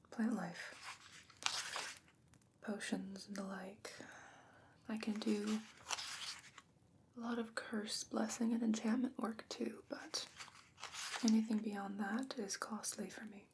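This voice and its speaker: A woman voicing a wise, gently stern old sorceress in a soft, breathy ASMR fantasy roleplay, speaking in a measured, deliberate way. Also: mid-range voice, flat delivery, noisy background. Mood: patient, explaining.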